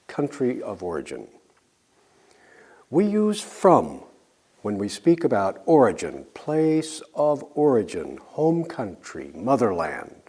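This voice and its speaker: A man gives a slow, scripted English lesson, clearly drilling example sentences and pausing so learners can respond. His voice is mid-range with a dark tone.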